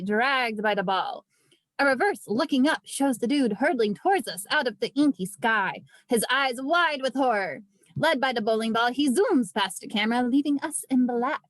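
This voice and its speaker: A woman reading screenplay stage directions as scripted narration, with vivid, deliberate storytelling. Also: on the high side, no room sound.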